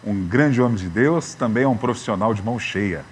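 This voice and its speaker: A man's voice: on the low side, fairly quick, a little hiss or hum. A man in his fifties with a São Paulo accent, a pastor hosting a live church webcast and drawing out his greetings. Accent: Brazilian Portuguese, São Paulo. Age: 50s. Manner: warm greetings, stretched out and raised. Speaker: pastor and program host. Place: church building.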